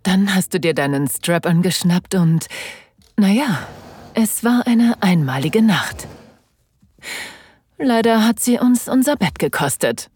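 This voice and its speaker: A woman playing a breathy, teasing lover. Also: medium pitch, lively intonation, darkish tone, dry recording. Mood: sultry. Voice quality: breathy, often whispered. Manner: teasing, slow and sensual. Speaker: first-person narrator and lover. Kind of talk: erotic audio drama.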